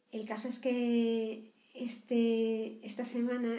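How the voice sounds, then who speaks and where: A woman speaks in a fairly high pitch. Audible room echo surrounds her voice. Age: 50s. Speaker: mother recording a personal video diary. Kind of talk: personal video diary. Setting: at home.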